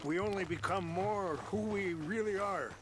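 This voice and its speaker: Man voicing a calm, wise tribal chief. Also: sits high, background noise, lightly acted. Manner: calm, reflective, measured. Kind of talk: video game voice acting. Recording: game dialogue with loud music behind.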